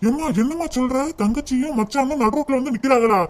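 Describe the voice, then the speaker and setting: A man's voice: very high voice, fast. A man voicing a dutiful grown son and husband who soothes his family with repeated coaxing in a cartoon. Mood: soothing. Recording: clear hiss under the voice.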